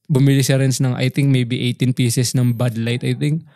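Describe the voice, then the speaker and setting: A man's voice: mid-range voice, flat delivery, moderate pace, warm tone, no echo, clean studio sound. A young man co-hosting a podcast, telling a story in casual chat, mixing English slang and saying "bro" constantly. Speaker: podcast co-host.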